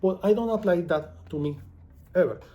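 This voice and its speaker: Speaking in a high-pitched voice with a dark tone at a moderate pace, this Venezuelan man talks to camera in a loose, rambling, self-mocking way. Spanish is his first language and his accent is Venezuelan; he is an author and vlogger.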